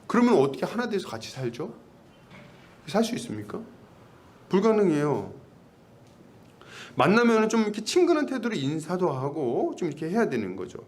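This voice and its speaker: A man's voice: high-pitched, wildly swooping pitch, moderate pace, pauses often, darkish tone. A pastor preaching a sermon in a conversational way, asking his congregation questions and acting out little bits of dialogue.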